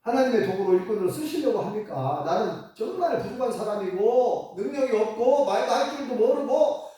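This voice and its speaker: A reluctant old prophet whines and pleads his excuses, as a preacher acts him out. The voice climbs high and swings widely. The sound carries a heavy church echo from a mic kept at a distance. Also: lively intonation, normal speed, warm tone. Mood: pleading. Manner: whiny, pleading.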